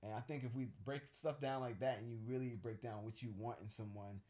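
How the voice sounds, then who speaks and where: A man's voice: medium pitch, fairly even intonation, brisk, warm tone. A man co-hosting a casual podcast chat, talking in a rambling, thoughtful way with many fillers and restarts. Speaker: co-host.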